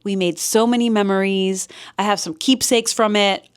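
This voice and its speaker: A woman's voice: medium pitch, steady tone, moderate pace, clear, resonant tone. A woman from Miami, a theme park vlogger, chatting enthusiastically through a casual year-in-review in her home office. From Miami, United States. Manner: chatty and enthusiastic, with gushing asides. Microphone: sit-down home office recording.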